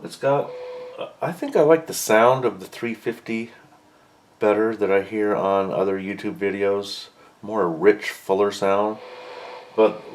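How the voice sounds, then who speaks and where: A man giving a casual, unscripted product review as a hobbyist, halting and mildly grumbling, pausing mid-sentence. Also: sits low, poor audio. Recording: faint background room noise.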